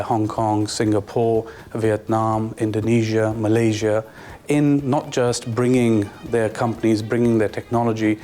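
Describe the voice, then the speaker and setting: Lowish-voiced guy, interview answer, calm and steady.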